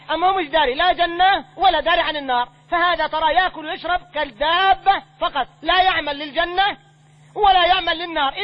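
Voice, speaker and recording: A sheikh teaches a religious lesson, taking recited verses one line at a time and explaining each in plain colloquial speech. His man's voice sits very high. The recording is dull and lo-fi. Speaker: sheikh teaching a creed text.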